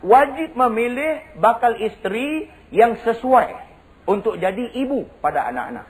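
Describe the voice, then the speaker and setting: A man's voice: extremely high pitch, animated, moderate pace, pitched above the performer's own voice, low-quality recording. A male preacher voicing a stern, wise caliph who lays out duties solemnly in a retold story. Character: stern, wise old caliph judging a dispute.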